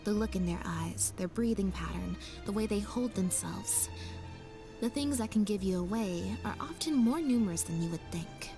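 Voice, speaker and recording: Woman doing a cool deductive game girl, even and measured, music behind. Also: medium pitch, close to an everyday voice. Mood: analytical. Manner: calm, measured, analytical. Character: calm, observant young female sleuth.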